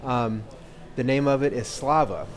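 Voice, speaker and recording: A man's voice: medium pitch, measured pace. A man reporting on the street, asking casual, upbeat questions with plenty of ums. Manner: casual, upbeat, filler-heavy. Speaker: local news reporter. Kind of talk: on-the-street interview. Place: outdoors on a city street.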